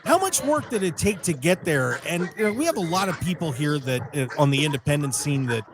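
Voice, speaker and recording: A man's voice: on the high side, very animated, brisk, background noise. A man hosting a radio interview outdoors by a pool, asking friendly questions with lots of uh and you know. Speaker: radio show host. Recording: outdoor poolside with loud music behind.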